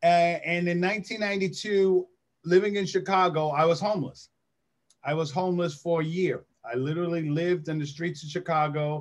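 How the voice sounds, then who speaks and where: The speaker is a man with a high pitch. His intonation stays fairly even. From New York. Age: 60s. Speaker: gemologist and storyteller, Marine veteran. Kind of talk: podcast interview. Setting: live online show.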